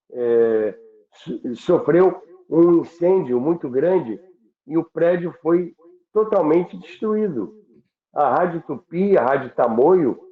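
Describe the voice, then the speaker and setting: An older man reminisces in a slow, deliberate, halting way. He speaks conversationally, like a presenter recounting history. The sound is thin and phone-like, with a roomy echo. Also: mid-range voice. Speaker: radio history presenter, former radio worker. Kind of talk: conversational storytelling about radio history.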